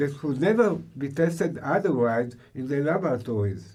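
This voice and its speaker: A man talks at a fairly high pitch with vocal fry. His pace is fairly slow. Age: 80s+. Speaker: physicist. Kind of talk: interview answer.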